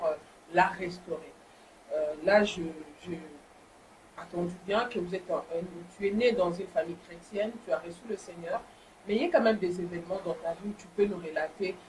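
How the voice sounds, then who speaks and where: Congolese woman, show host, lively and exclamatory, slightly distant mic. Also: on the low side. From Congo (DRC). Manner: lively, exclamatory, warm welcome. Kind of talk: interview hosting. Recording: somewhat distant mic with faint noise.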